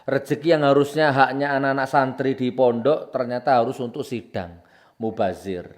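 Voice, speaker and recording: A man preaching with confrontation, hammering out repeated accusations and swinging from low and solemn to loud and heated. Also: fairly even intonation, normal speed. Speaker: Islamic preacher. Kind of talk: impassioned preaching commentary.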